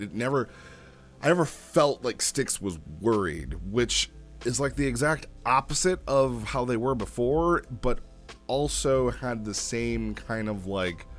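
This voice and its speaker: A man giving casual, unscripted commentary as a review host, talking in a rambling, animated way. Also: fairly low pitch. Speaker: host reviewing a text role-play log.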